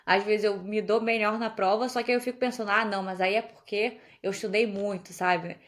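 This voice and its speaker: A woman's voice: medium pitch, fairly even intonation, brisk. A young woman from Brazil chatting casually as a podcast guest, telling stories and laughing often. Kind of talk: casual conversation.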